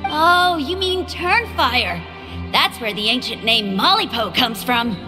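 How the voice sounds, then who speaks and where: A woman voicing a boyish young tribal kid who tells legends dramatically and slowly. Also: high-pitched, animated, long reverb tail, music in the background. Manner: dramatic, drawn-out storytelling. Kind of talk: game voice acting.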